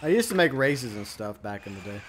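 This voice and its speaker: A man's voice: mid-range voice, sing-song, fairly quick, slight background noise. A man hosting a live game stream, chatting casually and rambling with fillers and asides. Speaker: streamer host.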